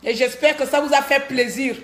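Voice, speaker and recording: A woman's voice: high-pitched, steady tone, brisk, fairly bright tone, a little hiss or hum. Indignant woman, Cameroonian French accent. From Gabon. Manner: indignant, repeats words while searching for them. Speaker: online commentator. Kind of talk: livestreamed rant. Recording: roomy echo.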